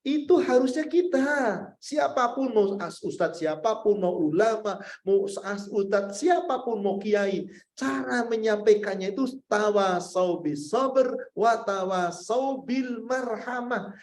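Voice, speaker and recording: A man's voice: high voice, animated, measured pace, darkish tone. A man giving an Islamic sermon in a conversational way, asking his listeners rhetorical questions and addressing them directly as sir and madam. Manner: conversational, asks the audience many rhetorical questions. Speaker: preacher.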